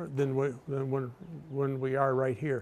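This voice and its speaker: A man is speaking. His pace is moderate. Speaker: agricultural equipment consultant. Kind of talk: equipment demonstration.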